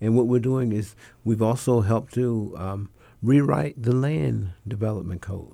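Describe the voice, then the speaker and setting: A man's medium-pitched voice, dark and mellow in tone, with ordinary pitch variation and a fairly slow pace, on a very clean recording with a silent background. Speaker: pastor and city councilman. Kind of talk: radio interview.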